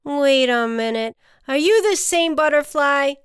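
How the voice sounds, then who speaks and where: Small male ant for storybook woman performer: folksy, persuasive pal, bright-eyed encourager, crisp high voice, dry recording. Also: big pitch swings, unhurried, dry recording, exaggerated voice. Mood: amazed. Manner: chummy, coaxing, folksy. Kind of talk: children's storybook character voice.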